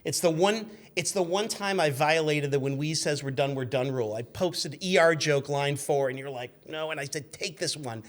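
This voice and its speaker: Man, fifties, raised pitch, casual anecdote-telling, animated, salty language. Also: moderate pace, hardly any pauses. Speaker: podcast guest, former radio intern. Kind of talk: casual storytelling.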